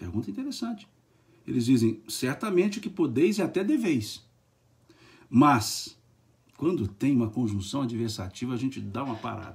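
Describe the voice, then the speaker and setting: A somewhat breathy man's voice with very wide pitch swings and long, frequent pauses. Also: moderate pace. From Minas Gerais, Brazil (São Gotardo); Minas Gerais, Brazil. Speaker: spiritist study leader. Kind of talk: lecture. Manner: frequent filler 'né'. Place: home room. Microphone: webcam.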